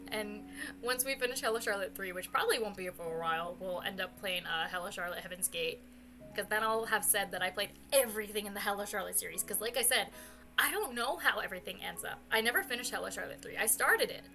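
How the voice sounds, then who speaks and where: A woman's voice: medium pitch, fairly quick, bright, forceful tone. Woman streamer chatting casually over music. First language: English. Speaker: livestream host. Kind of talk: casual game stream chat.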